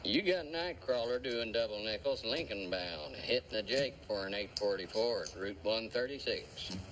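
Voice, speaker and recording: A man's voice: on the low side, animated, moderate pace, a bit bright, a little hiss or hum. An actor playing a male trucker who talks in folksy CB slang over a radio transmission.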